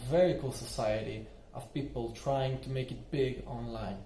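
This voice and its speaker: Speaking with a non-native accent at a moderate pace, a man is heard with audible room echo and noticeable background noise. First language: not English. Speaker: online seller vlogger. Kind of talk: partly read-aloud vlog narration.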